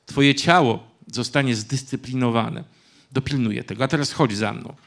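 A man's voice: mid-range voice, a bit bright, close to an everyday voice. A man reading as a cold, menacing old grandfather. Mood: stern interrogation. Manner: clipped, interrogating, drawn-out words. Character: stern cold elderly grandfather doctor, menacing. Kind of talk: literary reading.

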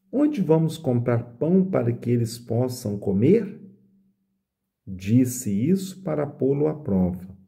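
Here a middle-aged priest from Brazil, recorded on a close-up phone camera in a small room, reads passages of scripture and slowly reflects on their meaning, repeatedly asking "né?". His voice sits in the mid-range, creaky and mellow.

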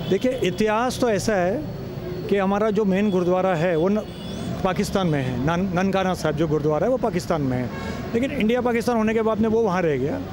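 A man's voice: high voice, brisk, over music. A middle-aged man in a street interview outside a temple, explaining in a plain way. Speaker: devotee interviewee. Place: outdoors by a temple entrance. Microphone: handheld interviewer mic. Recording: street traffic noise.

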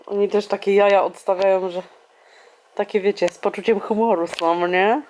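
A woman's voice: mid-range voice, fairly even intonation, normal speed, a little mellow, slight background noise. A woman vlogging at home with her baby daughter, exclaiming, laughing and talking both to the child and to the viewers. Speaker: vlogger mother. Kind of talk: casual home vlog. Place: home indoors.

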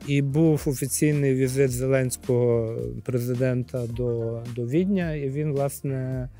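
At a measured pace and medium pitch, with soft music behind him, a man in his forties who is a priest from Ukraine responds to an interview via lapel mic. He sounds thoughtful and hesitant, using fillers, yet livens up acting out scenes, in a library studio and afterward an outdoor courtyard.

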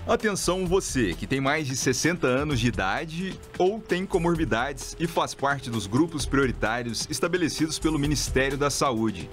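A man from Brazil reading scripted local news as a radio presenter, in a steady announcer delivery. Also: mid-range voice, moderate pace, hardly any pauses, music in the background.

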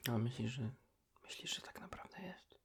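A man whispers softly and intimately, in an unhurried ASMR chat as if to a friend. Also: medium pitch, animated. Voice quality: soft breathy whisper. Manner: hushed, intimate, unhurried, addressing the listener as a friend. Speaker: ASMR creator, host.

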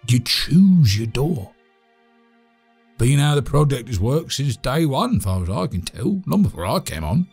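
An actor playing a chatty, cagey British servant in an audio drama, speaking in a halting, colloquial, animated way. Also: male voice, mid-range voice, gravelly, slightly rough, soft background music, full character voice. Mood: haunted, bitter. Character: chatty, cagey servant man, obsequious yet scheming. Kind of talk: audio drama monologue and dialogue.

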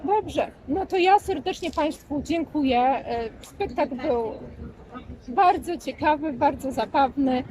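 A woman's voice: high voice, slow, darkish tone, rough recording. A woman hosting a vlog interview in a courteous, slightly hesitant, formal way. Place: outdoors in a town street. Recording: outdoor recording with crowd and traffic.

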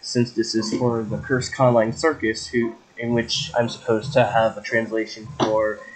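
A man giving an informal comedic presentation, halting and repeating himself as he goes. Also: lowish voice, level tone, poor audio. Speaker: presenter of an invented language.

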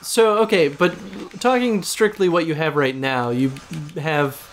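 A man's voice: on the high side, expressive, measured pace, a little hiss or hum. A man chatting casually as a gaming co-host, prompting the player with questions. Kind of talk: casual chat over gameplay.

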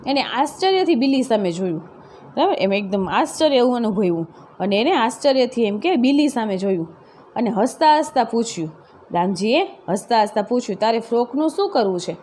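A woman with a Gujarati accent teaching a story lesson, reading each line and then retelling it plainly for her pupils. Her voice sits a little high, and a faint hum of noise runs under the recording. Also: big pitch swings, brisk, darkish tone. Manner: reads a line, then retells it in plain words with tag questions. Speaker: school teacher. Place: classroom-style video lecture.

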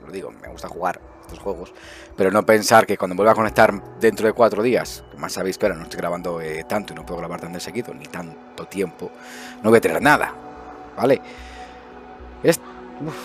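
With a low voice that runs a little fast, a middle-aged man from Spain hosts a gaming video, chatting through improvised commentary and quietly questioning himself as he plays. He's at a desk indoors on webcam, with faint music in the background.

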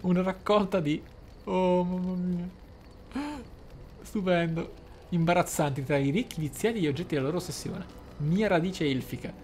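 With game music underneath, a man hosting a gaming channel reads lore expressively and comments on it as he goes. His voice is high and a little mellow, his pace moderate, and there's a little hiss or hum.

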